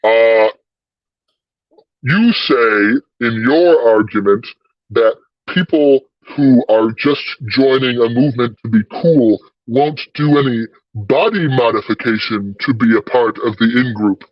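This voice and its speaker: A man's voice: mid-range voice, dry recording, lo-fi sound, pitched below the performer's own voice. A man using a voice changer to play a smug male devil arguing as devil's advocate, speaking in a morphed, mock-sinister voice. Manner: mock-sinister, jokey, slow drawl.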